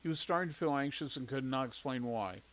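A man narrating a story in an even, steady reading voice. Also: medium pitch, fast, poor audio.

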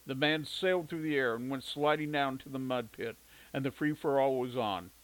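A man narrating a story in an even, steady reading voice. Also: medium pitch, normal speed, poor audio.

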